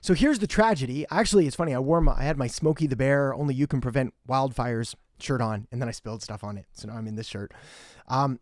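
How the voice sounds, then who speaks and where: A man's voice: medium pitch, fast, no echo, studio quality. A young man hosting a live marketing Q&A, chatty and direct, greeting viewers by name and giving blunt advice. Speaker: marketing host. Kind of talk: live-stream Q&A, casual chat. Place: home in western Canada.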